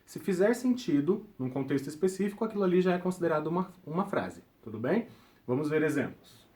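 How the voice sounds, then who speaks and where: A young man teaching a recorded grammar lesson, ending nearly every point with a quick check-in question to his students. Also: on the high side, sing-song, dark tone. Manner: ends points with check-in tags like "tudo bem?".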